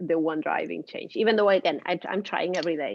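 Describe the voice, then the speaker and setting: Fairly even intonation in a woman's voice pitched fairly low. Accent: Spanish. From Argentina. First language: Spanish. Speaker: economist and business school professor. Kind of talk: panel discussion. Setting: video call. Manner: halting, with many repetitions and fillers.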